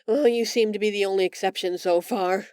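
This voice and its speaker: A woman playing a gentle, empathetic female alien in an intimate audio roleplay, speaking earnestly and hesitantly with emotional pauses. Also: mid-range voice, no echo, studio quality, close to an everyday voice. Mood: wistful. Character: gentle, remorseful female alien, empathetic, recounting her escape from captivity.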